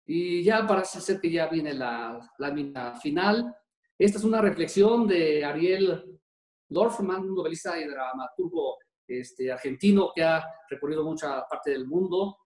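A man's voice: fairly high pitch, a little mellow, reverberant, low-quality recording. A man, presenting formally with many hesitant fillers. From Mexico. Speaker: government official presenting.

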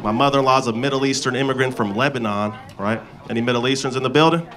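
A man's voice: medium pitch, fast talker, fairly bright tone. A man in his thirties doing a loose, profane stand-up set on a club stage, holding a handheld mic, with the crowd laughing. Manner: loose, profane, slangy storytelling. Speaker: stand-up comedian. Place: comedy club stage before a live audience. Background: audience laughter.

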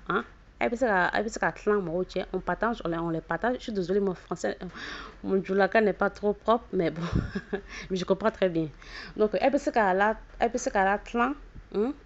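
A woman with a West African accent in French, casually addressing her channel's viewers in a halting, repetitive way with frequent false starts. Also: medium pitch. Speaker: YouTube channel host. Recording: dull lo-fi voice recording.

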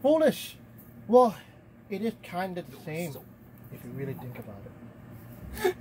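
A game master voicing an aloof male talking black cat messenger with a lowered, mock-solemn voice. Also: huge pitch swings, measured pace, warm tone, a little hiss or hum, low-quality recording. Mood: smug.

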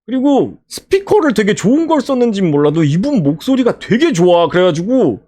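A man streamer giving a casual vlog recap over his photos, animated and laughing often, piling up fillers and exclamations. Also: high voice, a little fast.

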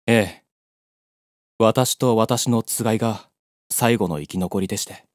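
A man's voice: on the low side, a little slow, no room sound, clean studio sound, natural voice. A man playing a determined white-wolf beastman in an audio drama, formal and earnest. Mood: respectful, solemn.

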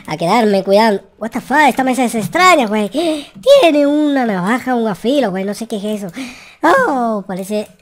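A man's voice: very high voice, lively intonation, moderate pace. A man with a Latin American accent voicing a naive, mischievous young noob boy in an improvised game roleplay, exclamatory and playful. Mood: amazed. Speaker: gaming video host.

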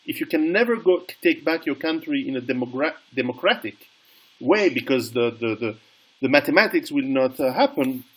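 A middle-aged man interviewing over a video call, asking halting questions with many restarts. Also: mid-range voice, lively intonation, breathy edge, poor audio.

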